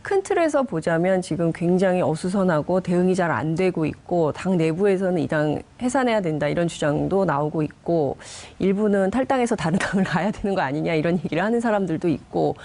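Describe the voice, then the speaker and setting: Woman commentator with a slightly low voice. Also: expressive, fairly quick, few pauses, darkish tone. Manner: explanatory, long chained sentences. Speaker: panel commentator. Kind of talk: political news analysis in conversation.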